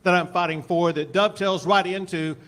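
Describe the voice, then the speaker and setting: A man's voice: high-pitched, fairly even intonation, a little fast, a bit bright. A man, a politician, giving a rallying campaign-style speech. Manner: rallying, declarative.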